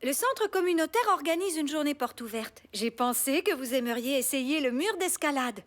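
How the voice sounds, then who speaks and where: A woman voicing a kind, easygoing young mother in a children's cartoon, gentle and expressive. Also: high voice, moderate pace. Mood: upbeat. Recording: music behind the voice.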